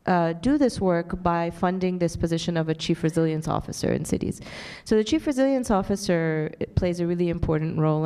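A woman's voice: on the low side, mellow, smooth. A woman on a panel, explaining her organization's work at length with fillers. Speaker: NGO panelist. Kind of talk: panel discussion.

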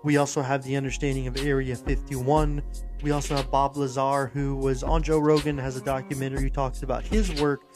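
A man's voice: medium pitch, level tone, brisk. Casual American male host, music behind. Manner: informal, rambling, emphatic. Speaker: podcast host. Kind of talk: casual commentary to listeners.

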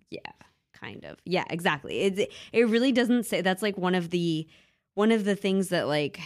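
A woman in casual conversation, retelling old myths in a chatty, giggly way with lots of fillers and restarts. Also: low-pitched. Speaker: podcast co-host. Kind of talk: casual chat about mythology.

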